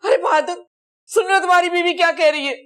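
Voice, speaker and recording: A woman's voice: extremely high pitch, steady tone, fast talker, fairly bright tone. An actress playing a melodramatic, demanding older mother who wails and complains. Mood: complaining. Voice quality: wailing, complaining. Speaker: mother-in-law. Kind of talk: sitcom acting.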